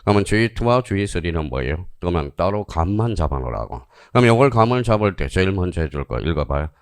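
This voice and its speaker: A man gives an online exam-prep lecture in a low, sing-song voice, captured in a dry recording. He drills his students with quick questions and answers and repeats key phrases to drive them home.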